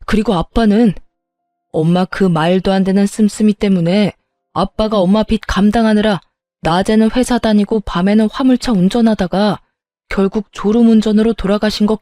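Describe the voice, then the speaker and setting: A woman's voice: mid-range voice, mellow, dry recording, clean studio sound, lightly acted. A woman reading the lines of an exasperated adult son confronting his mother, in a raised voice. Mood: bitter.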